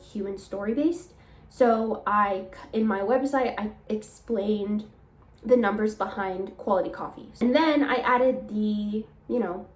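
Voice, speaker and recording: Young woman, small business owner, chatty and rambling, slightly nasal, higher voice, roomy echo. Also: darkish tone. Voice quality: chatty, rambling, laughs between phrases. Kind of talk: casual vlog chat. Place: home.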